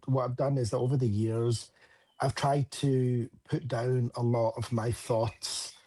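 Scottish man, mellow and husky. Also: mid-range voice. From Scotland. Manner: earnest, explanatory, frequent fillers. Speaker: relationship coach and author. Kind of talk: interview guest explaining at length.

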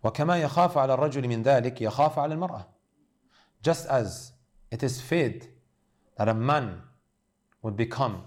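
A man's voice: mid-range voice, darkish tone. A man preaching an earnest sermon, addressing his listeners as brothers and sisters.

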